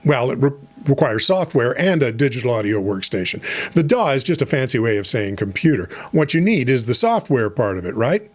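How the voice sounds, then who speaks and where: A man's voice: mid-range voice, brisk. Easygoing middle-aged male voice coach. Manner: relaxed, conversational, with fillers and asides. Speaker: voice over coach. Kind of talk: casual instructional talk.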